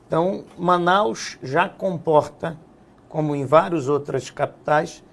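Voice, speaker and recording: Gravelly man, measured. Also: on the high side. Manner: measured, explanatory, frequent "né?" tags. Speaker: guest, health businessman and former legislative assembly president. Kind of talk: political interview.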